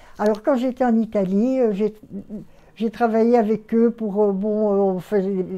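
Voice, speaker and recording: Speaking very slowly in a dark, mellow tone, a woman keeps her fairly high pitch on a fairly even line. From Brussels, Belgium. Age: 80s+. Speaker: pro-Palestine activist. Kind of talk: interview answer. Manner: hesitant, repetitive.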